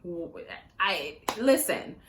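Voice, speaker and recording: Her voice is on the low side, expressive and slow, with a noisy background. She's a personal finance vlogger, a native Jamaican Patois speaker, chatting at home to a phone camera on a tripod in a rambling, laugh-filled vlog heavy with fillers.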